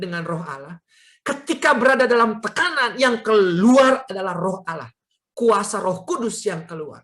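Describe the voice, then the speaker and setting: A woman's voice: mid-range voice, a bit bright. A woman preaching a sermon at a prayer meeting, telling stories and speaking directly to her listeners as friends. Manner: storytelling, addressing listeners as friends.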